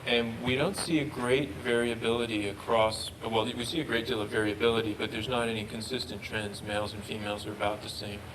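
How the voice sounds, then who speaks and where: A man presenting research and answering questions, halting and often repeating words. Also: on the low side, level tone. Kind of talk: research talk Q&A. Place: lecture room. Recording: noisy room recording.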